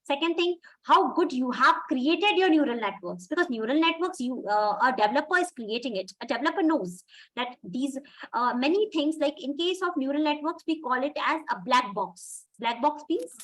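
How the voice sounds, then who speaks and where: A woman's voice: high voice, expressive, normal speed, a bit bright, low-quality recording. A woman lecturer answering a student's question, explaining and repeating her points.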